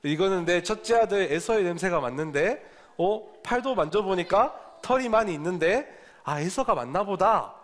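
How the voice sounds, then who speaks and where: A man's voice: high voice, animated, moderate pace, a bit bright, pitched above the performer's own voice. A man doing a puzzled old blind father. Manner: wondering, questioning tone.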